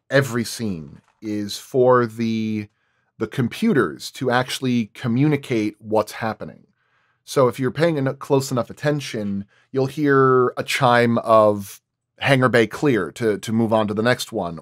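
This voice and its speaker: A man's voice: lowish voice, no room sound, clean studio sound. A man working as a sound designer explains his craft in detail in a roundtable discussion.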